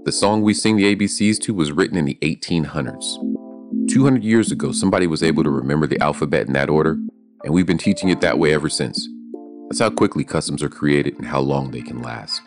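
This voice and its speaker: A man hosting a podcast, narrating thoughtfully and asking short questions in a measured, musing way. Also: rumbling low. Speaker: podcast host. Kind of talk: reflective podcast narration and interviewing. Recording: music playing behind the voice.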